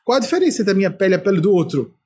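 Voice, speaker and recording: A man's voice: sits high, very animated, very fast, mellow, slightly rough. An older man from Brazil, a spiritual leader giving an emphatic talk full of rhetorical questions.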